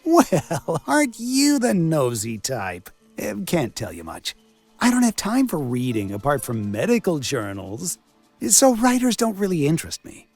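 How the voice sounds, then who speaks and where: Wildly animated, sarcastic village doctor. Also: male voice, on the high side, unhurried, soft background music, full character voice. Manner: sardonic, theatrical, wisecracking. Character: sarcastic village doctor and coroner, self-styled man of science. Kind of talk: video game character acting.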